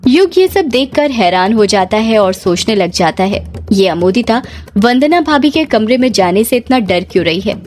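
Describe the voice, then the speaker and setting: A woman narrating a horror story in steady, dramatic storytelling. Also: a little high, normal speed, soft background music.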